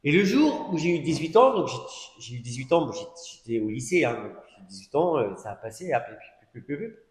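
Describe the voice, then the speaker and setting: A middle-aged man preaches in a church, telling his own story in a loose, chatty way full of asides and filler words. His voice sits at an ordinary pitch. The hall gives it a long, ringing reverb. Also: very animated, brisk. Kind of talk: testimony sermon. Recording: echoey church hall recording.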